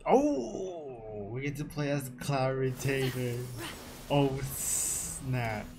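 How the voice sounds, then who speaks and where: A man's voice: mid-range voice, animated, drawn-out words, background noise. A man giving casual, slangy reactions to a video game story in short exclamations. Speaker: gamer reacting to a story quest. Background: game music.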